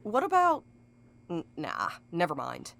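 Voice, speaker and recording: Blunt female courier played by an actress, sharp bright tone, very animated, sardonic, for a fiction podcast. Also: on the low side, unhurried, gravelly, full character voice. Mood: hesitant, irritated. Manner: blunt, sarcastic. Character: blunt, sardonic woman courier with an impatient streak. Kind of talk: scripted audio drama acting.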